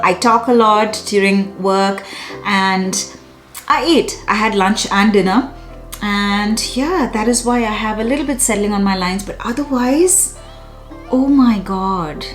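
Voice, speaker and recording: Woman, thirties, casual review to camera, effusive, echoey small room. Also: medium pitch. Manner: chatty, effusive, self-correcting. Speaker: beauty vlogger. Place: small bright room indoors.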